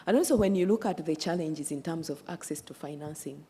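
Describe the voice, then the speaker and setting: Low, husky woman panelist. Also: a little fast, dark tone, big-room sound. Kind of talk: panel discussion remarks.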